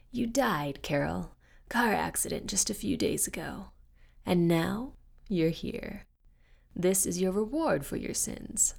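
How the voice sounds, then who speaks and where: A raspy, gravelly devil who taunts his victim with cold amusement, his thick voice sinking into hushed whispers, as a woman puts him on. He talks slowly and deliberately, relishing every word in this storybook reading. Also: medium pitch, full character voice. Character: menacing male devil, raspy and mocking.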